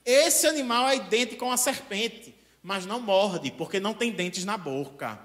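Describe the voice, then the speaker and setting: A man voicing a stubborn blind old wise man who insists slowly. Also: high voice, lively intonation, a bit bright. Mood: insistent.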